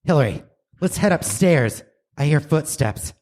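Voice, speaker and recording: A male comedy performer acting in a staged radio play. He delivers his lines at an unhurried, slow pace, with a very lively melody to his voice. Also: a little high.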